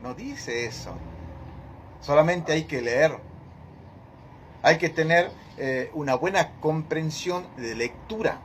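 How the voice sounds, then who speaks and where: A man's voice: on the high side, slow, long pauses, a little hiss or hum. A man leading a Bible study, teaching emphatically and questioning his listeners directly.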